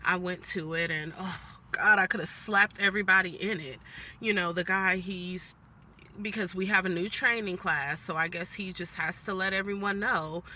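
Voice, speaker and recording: Brief: forties woman vlogging from her car, ringing bright tone, chatty and fed-up. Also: fairly low pitch, fairly even intonation, moderate pace, slight background noise. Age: 40s. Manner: chatty venting, keeps addressing viewers as "guys". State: annoyed. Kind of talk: casual vlog chat. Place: inside a parked car.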